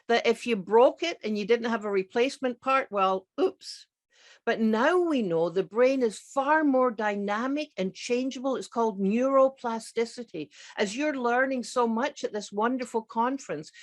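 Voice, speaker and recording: Enthusiastic Scottish-accented woman speaker. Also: fairly high pitch. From grew up partly in Scotland. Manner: enthusiastic, emphatic, repeats key words. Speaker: psychiatrist and keynote speaker. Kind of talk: conference presentation.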